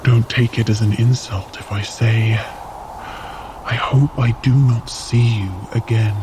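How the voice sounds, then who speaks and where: An actor playing a reserved, sincere frost giant guide in an audio drama, with formal, measured, stiff speech. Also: male voice, mid-range voice, steady tone, close to an everyday voice. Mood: hesitant, sincere. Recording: noticeable outdoor ambience noise.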